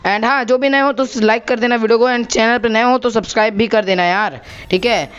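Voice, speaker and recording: A man's voice: extremely high pitch, fairly even intonation, brisk, fairly bright tone, clear, resonant tone, dull audio. A young man giving a chatty voice-over commentary on his own gameplay, talking straight to his viewers and asking them to comment. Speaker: gaming channel host.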